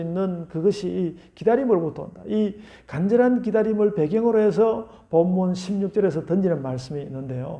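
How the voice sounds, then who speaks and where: A man with a high-pitched voice speaks fairly quickly. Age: 60s. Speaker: pastor. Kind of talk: sermon. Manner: repetitive, halting with self-corrections.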